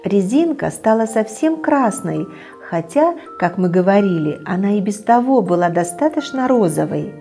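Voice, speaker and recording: A woman's voice: medium pitch, normal speed, faint music behind. Middle-aged woman reading a bedtime story. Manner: gentle, expressive reading. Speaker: children's TV storyteller. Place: indoor TV studio set, children's room.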